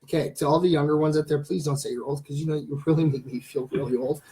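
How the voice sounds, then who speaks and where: A man's voice: on the high side, fairly even intonation, quick pace, warm tone. Chatty thirties man reading news. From Canada. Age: 30s. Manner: reads news items aloud with filler ums and uhs. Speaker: livestream host. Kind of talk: casual live-stream chat.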